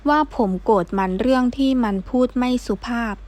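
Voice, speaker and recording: Woman audiobook narrator, calm steady read, slightly high pitch. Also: moderate pace. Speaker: audiobook reader. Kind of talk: first-person novel narration.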